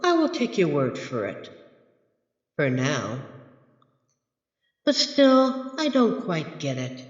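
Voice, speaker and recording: A woman voicing a smug, menacing monster from under the bed in an audio roleplay, haughty and taunting with drawn-out theatrical delivery. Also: sits low. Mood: smug, musing. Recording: echoey reverberant hall, slightly dull.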